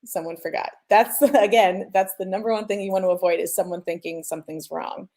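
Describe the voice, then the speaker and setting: A woman's voice: medium pitch, fairly even intonation, brisk, dark tone. A woman explaining her work as a sound designer in an informal, conversational way, thinking aloud and stressing key points. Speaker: sound designer sharing mixing advice.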